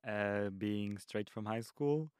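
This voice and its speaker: A man's voice: on the low side, slow pace, a little mellow, clean tone, dry recording, clean studio sound. A nineteen-year-old man from Slovakia, a student guest on a podcast, talking earnestly with hesitant fillers. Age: teens. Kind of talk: casual podcast interview.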